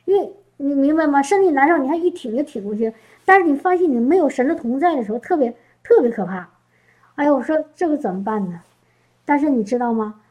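Woman, high and mellow voice, heartfelt church testimony, searching and repetitive. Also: expressive, fast, low-quality recording. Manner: emotional, repeats words, asks listeners questions. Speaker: church speaker. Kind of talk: testimony sermon.

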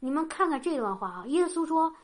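A woman with a somewhat higher voice gives a casual sermon, reading scripture and explaining it to her congregation. She talks loosely, repeats herself, and softens her sentences with small tags. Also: lively intonation, fairly quick. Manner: informal, often tags sentences with a soft "ha"; loose and repetitive, with frequent restarts. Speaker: preacher. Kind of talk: conversational sermon with Bible reading.

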